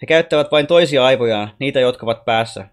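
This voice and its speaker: A man voices a calm, patient alien boy from the stars who is soft-spoken and wise. He gently explains things like a storybook teacher, with a mid-pitched voice close to ordinary speech and a gently instructive mood.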